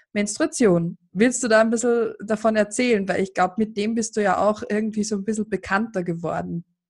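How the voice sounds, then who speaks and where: A woman talks at a fairly quick pace with hardly any pauses. Her fairly high voice is somewhat breathy, with ordinary pitch variation. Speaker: podcast host, sex educator. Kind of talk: interview conversation. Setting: studio, face to face. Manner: animated.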